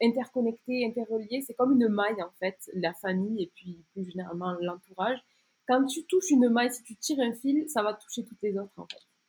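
Fairly high in pitch and somewhat breathy, a woman speaks at a fairly quick pace with lively intonation and big swings in loudness. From France. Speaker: travel content creator. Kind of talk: casual chat.

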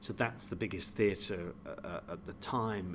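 A man's low voice at a fairly slow pace. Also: ordinary pitch variation.

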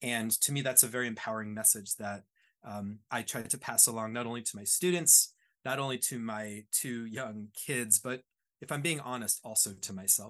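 Against a quiet background, a man speaks at a medium pitch and a moderate pace with ordinary pitch variation. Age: 30s. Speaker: business school professor. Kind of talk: interview conversation. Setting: office. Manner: soft-spoken.

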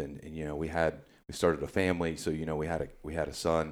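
This man talks at a fairly quick pace with an American accent and a very deep, low pitch. His intonation is fairly even, and the recording is very clean with a silent background. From US Midwest, southeastern Ohio. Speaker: hunting podcast co-host. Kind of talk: casual chat.

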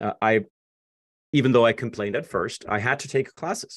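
Against a quiet background, a man with a German accent speaks fairly quickly with ordinary pitch variation. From Germany. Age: 30s. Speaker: education testing executive and former teacher. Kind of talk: podcast interview.

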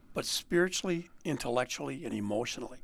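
A man with an American accent speaks fairly quickly at a medium pitch, with vocal fry and ordinary pitch variation. The recording is very clean, with a silent background. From Green Bay, Wisconsin, US. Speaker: sports ministry worker, former radio host and referee. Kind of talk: casual interview chat. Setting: studio.

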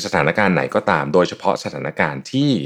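This man's fairly low voice carries vocal fry and very wide pitch swings. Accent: Thai. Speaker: podcast host. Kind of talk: casual explainer monologue.

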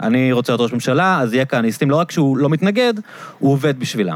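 With lively intonation and a fairly quick pace, a man talks in a normal speaking voice at medium pitch. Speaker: podcast host. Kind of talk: casual chat.

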